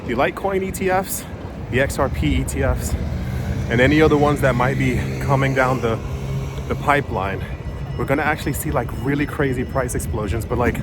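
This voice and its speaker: A man filming a casual vlog outdoors, rambling with many fillers and restarts, often keeping his voice low in public. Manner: drops his voice to talk quietly in public. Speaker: crypto vlogger. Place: outdoors on a city street with traffic. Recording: street traffic noise behind.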